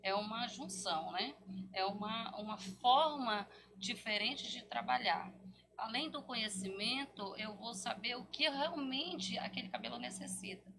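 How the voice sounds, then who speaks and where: A Brazilian woman speaking as a specialist guest in an interview, explaining didactically and pausing to find words. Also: a little high, gravelly. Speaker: hair therapy specialist guest.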